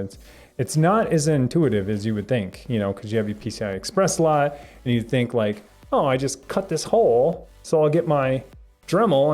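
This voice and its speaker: A young man hosting a live tech stream, answering viewer chat in a rambling, halting way with lots of fillers and restarts. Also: mid-range voice, a little mellow. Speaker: tech livestream host.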